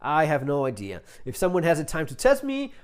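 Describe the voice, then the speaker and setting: A man giving a casual, unscripted gear review, rambling and halting as he thinks aloud. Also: fairly high pitch, wildly swooping pitch, clear, resonant tone. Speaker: product reviewer, channel host. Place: indoors.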